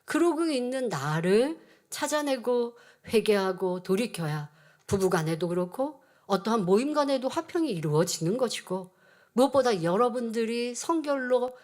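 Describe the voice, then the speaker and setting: A woman's voice: a little high, animated, moderate pace, darkish tone. A woman preacher giving an earnest sermon and acting out quoted dialogue in changing voices. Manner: earnest teaching tone.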